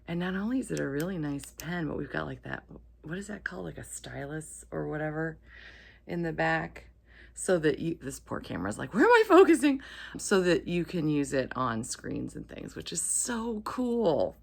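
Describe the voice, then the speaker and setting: A woman's voice: sits low, big pitch swings, moderate pace, gravelly, a little mellow, husky. A woman hosting a book channel, chatting to camera in an enthusiastic, gushing and playful way. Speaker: host of a romance book channel. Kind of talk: excited casual book vlog to camera.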